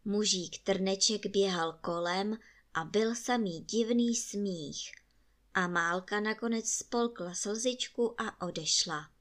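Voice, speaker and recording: A woman's voice: medium pitch, fairly bright tone. Woman reading a bedtime story.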